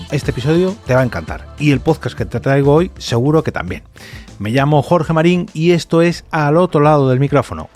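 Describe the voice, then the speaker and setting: Spanish guy from spain doing a solo podcast, informal and explainy, normal pitch, bit of music behind. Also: a little mellow. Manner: informal, explanatory, addresses listeners directly. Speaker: podcast host. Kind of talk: conversational solo podcast monologue.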